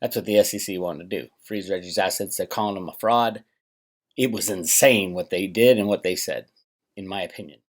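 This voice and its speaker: A man's voice: sits low, brisk. A man hosting a financial commentary vlog, talking casually and emphatically to viewers with opinionated asides and rhetorical questions.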